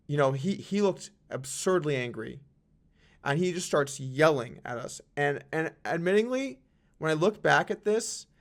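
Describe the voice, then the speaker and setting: A young man, a poker vlogger, telling a personal story to camera in an earnest, halting way with frequent restarts. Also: medium pitch.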